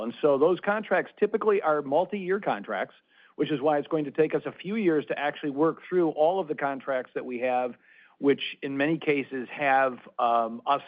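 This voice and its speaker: A man speaking as a senior company executive, giving measured, explanatory unscripted answers on an earnings call. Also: mid-range voice, narrow, tinny audio.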